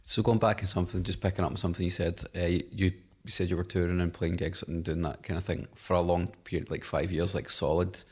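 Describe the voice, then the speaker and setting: A man's voice: sits low, flat delivery, quick pace, few pauses, a little mellow, slightly rough. A man hosting a podcast interview, opening his questions with hesitant "um" and "uh" starts. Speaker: podcast host.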